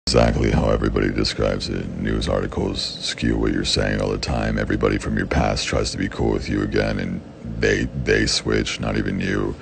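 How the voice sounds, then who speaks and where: A young man with a very deep, raspy voice, answering fan questions in blunt, profane casual talk. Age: young adult. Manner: blunt and profane, with frequent swearing. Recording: background noise.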